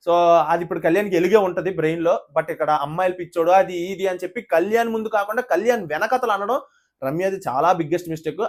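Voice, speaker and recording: Rapid-fire show reviewer ranting to camera, keeps firing rhetorical questions at viewers, mid pitch. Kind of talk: fast casual commentary to camera.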